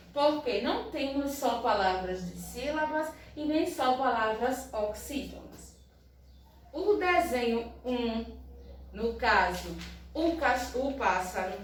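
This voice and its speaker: Speaking slowly and patiently to young pupils, a woman teacher sounds out each syllable separately in a recorded primary-school review lesson. Her slightly high voice rings around a very echoey room and is captured from some distance, with a little hiss or hum.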